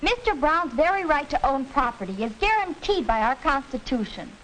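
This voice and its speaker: A young woman playing a confident high school student lecturing her classmates, in 1940s educational film acting, on a hissy old film soundtrack. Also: big pitch swings, moderate pace, fairly bright tone, poor audio.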